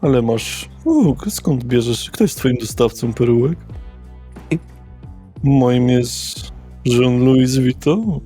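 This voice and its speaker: Male player as vain, foul-mouthed vampire socialite lady. Theatrical, catty, slow, music underneath. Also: medium pitch, animated, dark tone. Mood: vain, coy. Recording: music behind the voice.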